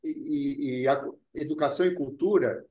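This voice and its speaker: A man whose first language was Italian, speaking in an earnest, deliberate way and often circling back on his own words. His voice sits a little high for a man. The sound carries a clear echo from the room. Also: highs cut off. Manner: earnest, deliberate, repeats words while thinking. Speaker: actor, interview guest. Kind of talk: reflective interview talk.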